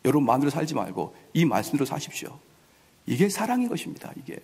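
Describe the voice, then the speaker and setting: Animated male pastor in a reverberant hall. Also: fairly high pitch, fast, vocal fry, breathy edge. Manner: animated preaching, acting out family quarrels. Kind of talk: sermon. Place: church sanctuary. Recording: long church hall reverb.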